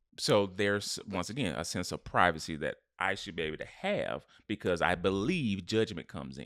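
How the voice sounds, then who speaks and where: A man with a fairly low pitch and vocal fry speaks at a moderate pace with lively intonation on a very clean recording with a silent background. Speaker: podcast co-host. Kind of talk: casual debate.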